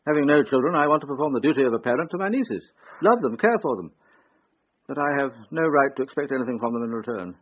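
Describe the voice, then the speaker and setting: An actor playing a proud, aggrieved middle-aged country squire in a period radio drama, formal and stiff. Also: male voice, medium pitch, expressive, fast talker, lightly acted. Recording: thin, tinny radio recording.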